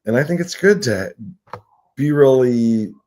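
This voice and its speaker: A man's voice: mid-range voice, animated, measured pace, darkish tone. A man in his sixties, a nonprofit CEO, speaking as a guest in a casual radio interview, reflective and earnest, often checking in with "right?". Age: 60s.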